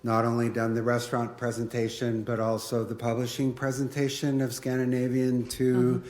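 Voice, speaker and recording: A man hosting an event, giving a semi-formal introduction of a speaker in a halting, deliberate manner. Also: mid-range voice, completely flat delivery, darkish tone.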